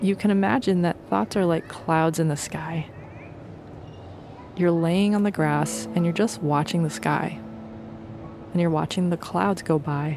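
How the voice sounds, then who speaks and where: Against music in the background, a woman talks at a fairly slow pace in a calm, relaxed tone with very even loudness. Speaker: guided meditation teacher. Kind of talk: guided meditation for sleep. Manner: calm, relaxed, gentle.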